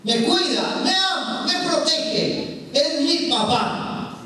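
A man's voice: very high-pitched, animated, slow pace, sharp tone. A man with a Colombian accent, a priest giving an emphatic, storytelling charismatic sermon in a large hall with an audience. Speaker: Catholic priest, preacher. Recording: echoey hall from far off, crowd.

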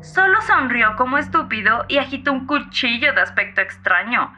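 An actress playing a feisty, fearless, irritated 911 caller in a horror audio story, brash and mocking, heard through a phone filter. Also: female voice, fairly high pitch, sing-song, moderate pace, sharp tone, faint music behind, full character voice. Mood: dismissive, mocking. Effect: phone-line filter. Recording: thin band-limited phone sound.

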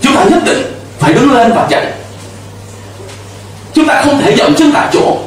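A man's voice: very high-pitched, expressive, normal speed, very echoey, far from the mic, slight background noise, low-quality recording. A middle-aged man preaching a sermon from a church pulpit into a handheld mic, emphatic, with call-and-response to the congregation. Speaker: pastor. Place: church stage with pulpit and cross.

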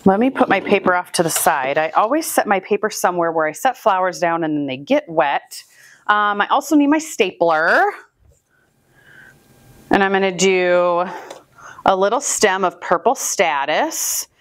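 A woman's voice: lowish voice, lively intonation, moderate pace, no room sound. A woman in her thirties from the US Midwest, talking casually to the camera while she builds bouquets, upbeat and chatty. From Northwest Iowa, US. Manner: chatty, upbeat, talks while handling flowers. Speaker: flower farmer and channel host. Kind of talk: casual how-to narration while working. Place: indoor room with flower buckets. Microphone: far camera, hands-free.

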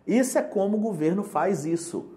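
A man with a Brazilian Portuguese accent teaching English for an exam in a casual, joking way. He reads English examples slowly and translates them. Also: high-pitched, lively intonation, dark tone. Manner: casual, joking, keeps checking "entendeu?". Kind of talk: online lesson.

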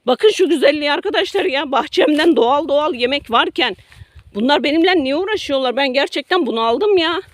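A middle-aged woman vlogs to her followers from a garden by a road near woods, speaking emotionally: indignant at first, then apologetic, and often repeating herself. Her high voice is animated and fairly quick, with no room sound.

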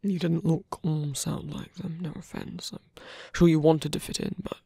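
A man playing a tender, teasing villain in an intimate ASMR roleplay, breathy and hesitant, often dropping to a whisper. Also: on the high side, flat delivery, no room sound. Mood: confessional, hesitant. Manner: hesitant, halting, soft-spoken. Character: male villain, tender, teasing, smitten with rescuer. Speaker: voice actor.

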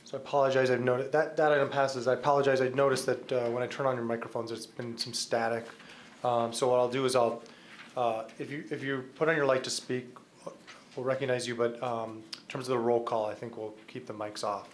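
A man's voice: mid-range voice, flat delivery, fairly quick. A middle-aged American man formally chairing a council meeting in a procedural manner. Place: council chamber. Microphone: desk microphone. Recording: background noise in meeting room.

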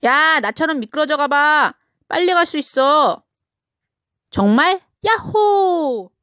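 Woman voicing a cheery baby boy penguin, high childlike voice, storybook, dry close sound. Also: lively intonation, slow pace, fairly bright tone, no room sound, full character voice. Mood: excited. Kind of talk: storybook character voice.

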